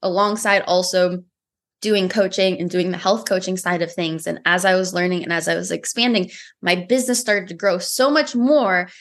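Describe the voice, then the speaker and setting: A woman whose first language is Romanian, a mindset coach telling her story in a podcast interview, earnest and animated. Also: on the low side, normal speed. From United States. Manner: earnest, animated storytelling with acted-out inner dialogue.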